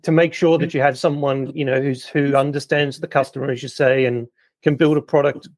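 A man's voice: mid-range voice, fairly even intonation, brisk, darkish tone, no room sound. A man hosting a business podcast, introducing guests and asking easygoing questions. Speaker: podcast host. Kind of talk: podcast host interview.

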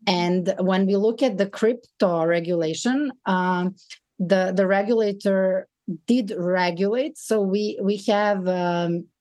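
A woman with a Serbian accent giving conversational interview answers as an expert guest, pausing often mid-phrase. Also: medium pitch, a little mellow, dry recording. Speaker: podcast guest, local fintech expert.

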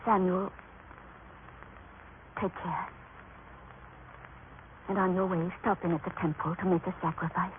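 A woman playing a worried, tender, devoted wife in a radio drama, speaking in a gentle, pleading manner. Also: lowish voice, flat delivery, measured pace, pauses often, phone-quality sound, close to an everyday voice. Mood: tender, concerned. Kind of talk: old-time radio drama acting. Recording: thin, noisy old radio recording.

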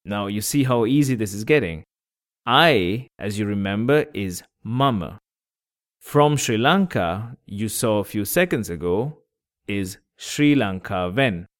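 A man's voice: lowish voice, lively intonation, unhurried. A man teaching a language lesson on a podcast, patiently repeating examples and breaking words into syllables.

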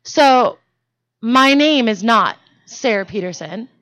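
A woman's voice: a little high, animated, slow, a bit bright, no room sound, low-quality recording. A young adult woman, born in Denmark and raised in the US, co-hosting a casual comedic podcast and telling stories bluntly while swearing freely. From born in Denmark to Iranian parents, raised in the US. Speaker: podcast co-host.

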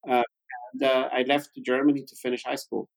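A man's voice: medium pitch, flat delivery, fairly quick, vocal fry, low-quality recording. A man in his fifties from Iran, a native Farsi speaker, telling his story conversationally as an interview guest. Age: 50s. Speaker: interview guest, tech founder.

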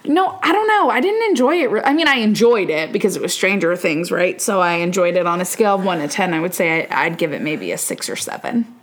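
Woman, twenties, teasing co-host, recovering from a cold, animated intonation. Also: fairly low pitch, quick pace, few pauses. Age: 20s. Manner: teasing, dry. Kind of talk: casual chat.

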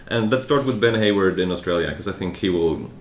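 A man's voice: low-pitched, a little fast. A man with a Swedish accent co-hosting a podcast, teasing and steering the chat. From Sweden. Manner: teasing, leads the segments. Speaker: podcast co-host. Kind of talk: casual chat. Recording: roomy echo, faint noise.

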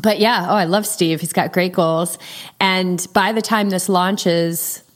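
A woman's voice: lowish voice, fairly even intonation, a little slow. Effusive woman podcast host in her fifties. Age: 50s. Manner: warm, effusive, laughs easily. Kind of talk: casual podcast interview.

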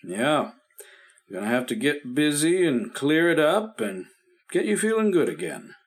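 A man playing a patient, reassuring doctor in an old radio drama, speaking steadily and gently firm. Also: fairly high pitch, very animated, a little slow. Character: calm reassuring male family doctor. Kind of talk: 1950s radio drama acting.

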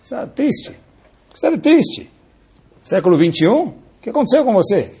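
A man's voice: sits high, very animated, normal speed, mellow, slightly rough. A man, a rabbi giving a playful, dramatizing Torah lesson to students and sprinkling in Hebrew terms.

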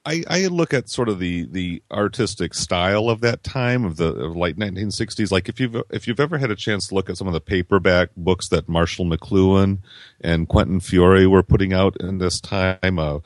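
A man's voice: low voice, normal speed, dry recording, clean studio sound. A man in his fifties, a podcast guest, talking casually about a film in a rambling way, full of restarts and repeated words.

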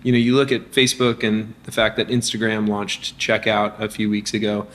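In an informal business interview, a male founder speaks as the guest with a fairly low pitch and moderate pace. He's animated and energetic, repeatedly restarting thoughts and using fillers.

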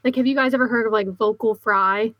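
A woman from Philadelphia with a clear Philly accent hosts a podcast in loose, rambling talk full of fillers. Her voice sits fairly high and sounds close and dry, with no room around it. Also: fairly quick, no echo, dull audio. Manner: chatty, rambling with many fillers. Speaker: podcast host. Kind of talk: casual podcast chat.

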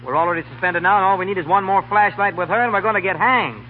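An actor playing a casual, slangy, quick-tempered young college student in a 1930s radio comedy. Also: male voice, sits high, a little hiss or hum, natural voice. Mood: irritated. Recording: tinny 1930s radio, music behind.

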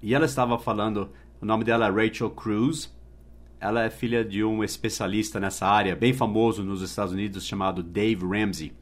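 A man's voice: fairly low pitch, fairly even intonation. Patient man teaching English. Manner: explains patiently, spells words out letter by letter; slows down to model English phrases, adds tag questions. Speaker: English teacher and podcast host. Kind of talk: casual podcast lesson.

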